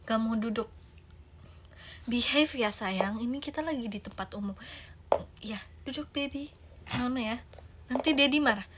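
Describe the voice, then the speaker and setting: A woman voicing a posh young mother softly coaxing a misbehaving toddler with English endearments. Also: a little high, completely flat delivery, fairly quick, hardly any pauses, background noise, pitched below the performer's own voice, close to an everyday voice. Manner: soft, sweet-talking, mixing in English endearments.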